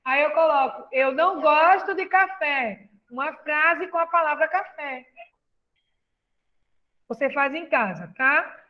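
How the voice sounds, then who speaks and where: A woman's voice: sits high, slow pace, pauses often, lo-fi sound. A woman teacher with a Brazilian Portuguese accent, patiently explaining a lesson and asking questions. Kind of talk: classroom lesson.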